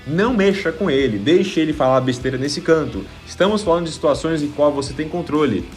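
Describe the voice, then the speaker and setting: A man's voice: fairly high pitch, lively intonation, brisk, darkish tone, soft background music. A man coaching viewers in an instructional video, explaining things plainly and speaking straight to the audience. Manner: direct, explanatory, addresses viewer. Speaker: self-improvement coach.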